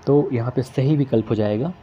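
A man's voice: medium pitch, brisk, highs cut off, a little hiss or hum. Methodical man reading quiz answers. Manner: methodical, reads each question and options aloud then names the answer. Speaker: quiz tutor. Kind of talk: exam question walkthrough.

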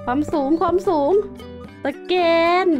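Over music, a young female game host takes it slowly while giving casual Let's Play commentary on a survival game. She chats to her viewers and exclaims as she explores.

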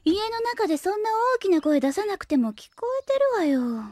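An actress playing a determined, prickly young engineer and little sister in an audio drama, brisk, stubborn and easily exasperated. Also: female voice, very high-pitched, sing-song, dark tone, no room sound. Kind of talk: Japanese audio drama acting.

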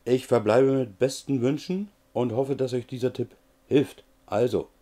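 A middle-aged male teacher explaining a memorization trick in a relaxed, chatty way, with frequent filler sounds. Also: medium pitch, unhurried. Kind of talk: casual explanatory lesson.

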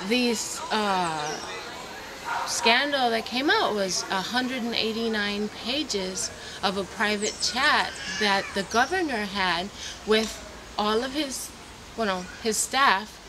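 A woman, earnestly explaining in an interview outdoors, with hesitations. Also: mid-range voice. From Puerto Rico. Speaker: farmer and volunteer. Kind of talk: interview answers. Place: outdoors by a bottle wall. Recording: outdoor camera audio with background noise.

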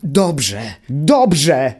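A man's voice: on the high side, sing-song, extremely slow, darkish tone, slight background noise, pitched above the performer's own voice, full character voice. A man voicing a desperate young male robot who screams in rage and panic, in an audiobook reading of a fairy tale. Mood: furious.

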